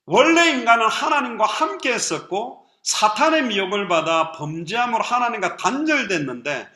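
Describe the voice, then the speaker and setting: A man preaching a sermon as pastor, animated and lively. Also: high-pitched, reverberant. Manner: lively preaching with acted quotes.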